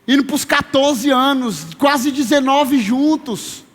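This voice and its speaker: A man in his thirties preaching a sermon as pastor, emphatic, slowing down to stress his words and calling listeners brother. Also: very high-pitched, a bit bright. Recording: long reverb of a large hall.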